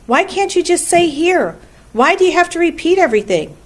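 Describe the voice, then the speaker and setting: A woman reading a storybook aloud, voicing a wise, precise female spider who runs a barn meeting in a brisk, tart, schoolmarmish way. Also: a little high, big pitch swings, voice pushed up.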